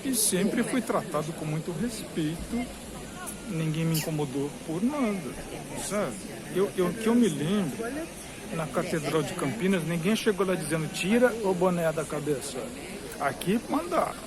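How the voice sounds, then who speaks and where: A man's voice: on the high side, expressive, moderate pace. A man with a Brazilian Portuguese accent gives rambling, informal commentary as a vlogger, explaining at length and repeating himself for emphasis. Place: among a crowd in a queue outside a cathedral. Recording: busy crowd noise with hiss. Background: crowd chatter.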